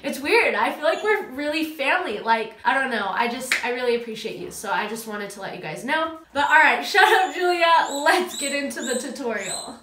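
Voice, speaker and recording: Chatting her way through a makeup tutorial indoors in a small home room, a young woman vlogger sounds stuffy and nasal, gushing and self-teasing as dogs play nearby. Her high-pitched voice is animated, pushed and bright at a normal pace, and the room is echoey.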